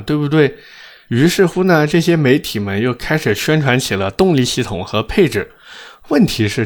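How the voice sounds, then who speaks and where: A man hosting a car review show, speaking with slightly slurred, thick-tongued diction in a blunt, sarcastic, opinionated manner. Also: medium pitch. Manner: blunt, sarcastic, rhetorical questions. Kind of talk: opinionated car commentary to audience.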